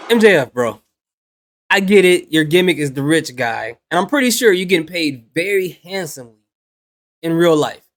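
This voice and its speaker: A man's voice: on the high side, lively intonation. A man hosting a reaction video, chatting casually and laughing as he jokes along. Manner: laughs a lot, quick joking asides.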